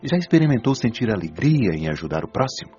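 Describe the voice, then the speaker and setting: An actor with a Brazilian accent playing a wise, patient spirit doctor who counsels souls in a measured, admonishing way in an audio drama. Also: male voice, fairly low pitch, sing-song. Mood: patient, firm. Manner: didactic, measured, gently admonishing. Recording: dull lo-fi audio, music behind.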